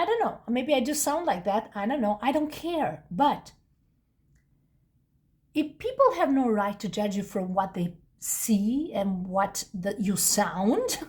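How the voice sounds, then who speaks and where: A woman with a non-native English accent giving a casual, rambling tarot reading, full of restarts and asides. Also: high-pitched. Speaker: tarot reader.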